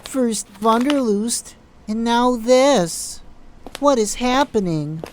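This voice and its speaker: Someone acting a concerned woman in an audio drama, slow and caring, bit of background noise. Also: fairly high pitch, darkish tone. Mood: worried, sympathetic. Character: worried, sympathetic woman, close to the doctor.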